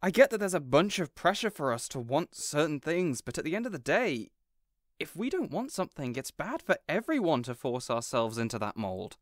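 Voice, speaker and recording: A man's voice: a little high, big pitch swings, normal speed, dry recording, clean studio sound. A man playing a kindly, encouraging villain boss in an audio roleplay, speaking earnestly and reassuringly. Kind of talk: character audio roleplay acting.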